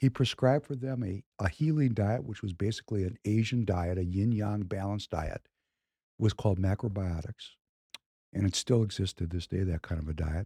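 A man's dark, mellow, somewhat breathy voice, fairly low with ordinary pitch variation, at a fairly quick pace on a very clean recording with a silent background. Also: dry, close sound with no echo. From Ukraine. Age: 60s. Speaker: podcast host. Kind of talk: casual chat. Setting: studio.

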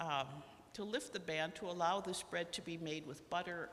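A man's high-pitched, bright, sharp voice at a fairly slow pace with ordinary pitch variation. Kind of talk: personal story. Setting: church.

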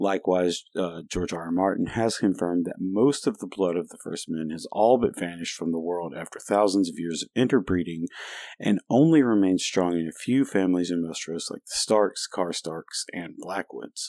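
A man with an American accent speaks in a very deep, low voice with a dark, mellow tone, ordinary pitch variation, and big swings in loudness. He keeps a moderate pace on a very clean recording with a silent background and a dry, close sound with no echo. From US Southeast. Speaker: podcaster. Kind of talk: casual chat.

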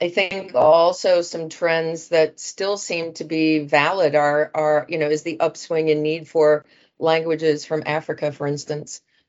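A woman with a Midwestern accent speaks at a fairly slow pace with hardly any pauses, her very deep, low voice monotone and flat. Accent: American Midwest. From US Midwest, Dayton, Ohio. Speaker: localization sales consultant. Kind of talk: interview.

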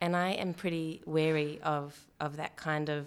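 Australian accent from a woman with a very deep, low pitch. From Australia, Victoria. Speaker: writer. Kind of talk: casual interview.

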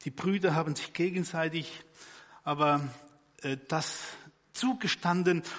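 A man speaks at a very slow pace, with a high pitch. Long pauses come often between his words. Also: ordinary pitch variation. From Spain, small village. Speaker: guest preacher. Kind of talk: sermon. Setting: church service. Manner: hesitant, many fillers.

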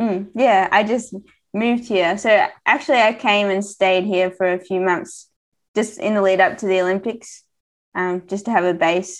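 A woman with an Australian accent, medium-pitched and fairly even in intonation, at a moderate pace against a quiet background. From Australia, Melbourne. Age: 20s. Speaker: professional cyclist. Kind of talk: interview.

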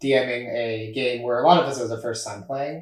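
A man with an American accent talks at a moderate pace in a somewhat breathy voice. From US suburbs. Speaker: tabletop roleplaying podcast player. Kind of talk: casual chat.

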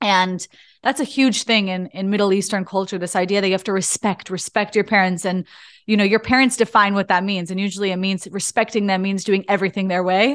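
This is a plain, everyday voice at a fairly quick pace, with fairly even intonation over a quiet background. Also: woman, medium pitch for a woman, dry, close sound with no echo. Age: 20s. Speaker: spiritual teacher and podcast host. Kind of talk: interview conversation.

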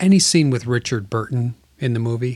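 A man at medium pitch uses an ordinary speaking voice with lively intonation and a moderate pace, recorded with a dry, close sound and no echo. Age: 50s. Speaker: board wargame podcast host. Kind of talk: casual chat.

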